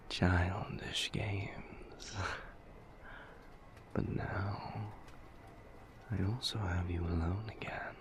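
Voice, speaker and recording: Man playing a deep, whispery, slow seductive vampire. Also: exaggerated voice. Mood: teasing, intimate. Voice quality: breathy, half-whispered. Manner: formal, silky, deliberate phrasing. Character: suave seductive male vampire, indulgent and flirtatious. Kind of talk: intimate roleplay audio acting.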